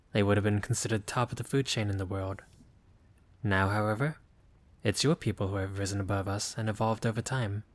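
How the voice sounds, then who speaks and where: Casting: male actor as a genteel, friendly vampire for intimate roleplay audio, slightly low voice, formal and a touch bashful. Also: close to an everyday voice. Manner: formal, polite, old-fashioned, hesitant phrasing.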